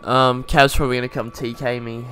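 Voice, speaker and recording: A man's voice: mid-range voice, level tone, fairly quick, fairly bright tone, faint music behind. A young man giving casual gameplay commentary as a video creator, laid-back, thinking aloud and swearing now and then. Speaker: gaming YouTuber.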